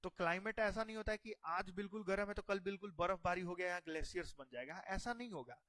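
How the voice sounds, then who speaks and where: A man's voice: sits high, quick pace, a bit bright, no echo. A man teaching a history exam-prep lecture, explaining step by step and asking himself rhetorical questions.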